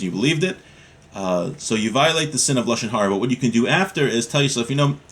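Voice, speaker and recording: A man teaching a class on Jewish law, reading short passages and explaining them in plain, calm English, often repeating key points. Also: medium pitch. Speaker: Torah teacher. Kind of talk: text study class, reading Hebrew then explaining in English.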